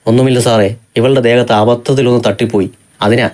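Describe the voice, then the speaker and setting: A man's voice: mid-range voice, fairly even intonation, a little fast, darkish tone, close to an everyday voice. A man voicing a heavyset, bullying middle-aged man on a bus, sneering and threatening. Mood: sneering threats.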